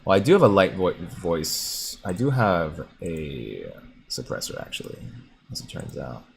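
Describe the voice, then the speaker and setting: Deep-voiced man hosting a chatty livestream. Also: big pitch swings, unhurried, creaky, slight background noise. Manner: chatty, laughs often, muses aloud. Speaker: livestream host reading viewer comments. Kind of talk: casual livestream chat about stocks.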